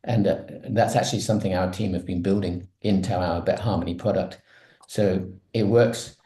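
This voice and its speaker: A man's voice: deep voice, steady tone, moderate pace, mellow. A man talking casually on a podcast, explaining ideas in a loose, conversational way. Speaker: podcast participant from a betting tech company. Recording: roomy, echoing sound.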